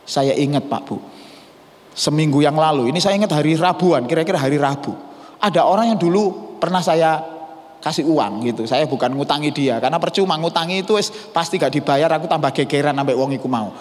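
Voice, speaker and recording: A man's voice: fairly high pitch, brisk. A man with an East Javanese accent preaching a sermon as pastor, telling stories and slipping Javanese and English words into his talk. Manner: mixes Javanese and English into Indonesian, storytelling. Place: church hall. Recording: church hall reverb.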